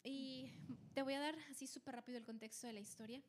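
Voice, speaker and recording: A woman talks through a Bible passage for her podcast listeners. Her voice sits a bit high, and she tells the story eagerly, often restarting sentences mid-thought. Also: fast talker, a little hiss or hum. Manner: lively storytelling with frequent restarts. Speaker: podcast co-host. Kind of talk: casual Bible study chat.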